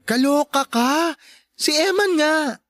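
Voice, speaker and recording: An actor playing a sassy, campy gay best friend in a Tagalog radio drama, teasing and bluntly caring, drawing out emphatic words. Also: male voice, extremely high pitch, slow pace, fairly bright tone, no echo, full character voice.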